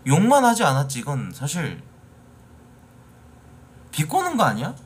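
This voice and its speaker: A man ranting at his chat during a live stream, swearing and building into angry shouts. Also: on the high side, huge pitch swings, a little slow. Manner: angry, profane, rising to shouting. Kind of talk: casual live-stream rant.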